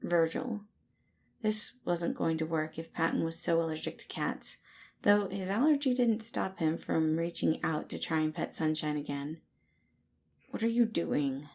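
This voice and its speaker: Lower-pitched woman narrating a story. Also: moderate pace, vocal fry, a little mellow.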